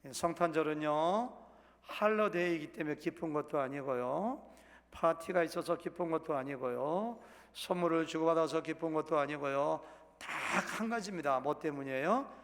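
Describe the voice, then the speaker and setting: Man, pastor, Sunday sermon, slightly high voice, gravelly edge, conversational, asks the congregation questions, long church reverb. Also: lively intonation, normal speed, fairly bright tone. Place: church sanctuary.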